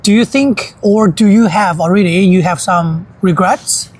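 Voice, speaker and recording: Woman from china interviewing, husky voice, chatty, lots of yeah yeah. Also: mid-range voice, a little mellow. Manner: eager, chatty, many quick backchannels. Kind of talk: casual interview chat.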